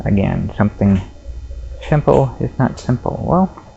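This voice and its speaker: A fairly low-pitched man at a very slow pace, over noticeable background noise. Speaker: DIY vlogger. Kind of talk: casual DIY vlog narration. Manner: halting, repeated false starts.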